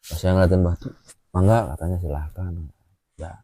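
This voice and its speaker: A man recounts a personal experience in a relaxed chat. His voice is lowish and mellow, and it swings widely in pitch. The sound is dry and close. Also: fairly quick, no room sound. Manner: animated, with frequent filler "ah" and "A", acts out gestures while telling. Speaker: guest telling his experience. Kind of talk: casual storytelling chat.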